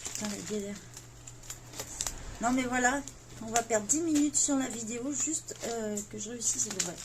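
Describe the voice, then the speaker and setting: A woman's voice: on the high side, very noisy. A woman, chatting casually as she unboxes gifts, full of fillers and self-mocking asides. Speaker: coloring vlogger.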